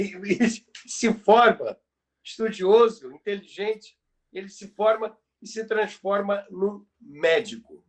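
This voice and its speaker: High-pitched, slow-talking older Brazilian man. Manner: emphatic, repeats phrases, halting delivery. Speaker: podcast host and storyteller. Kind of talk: conversational retelling of radio history.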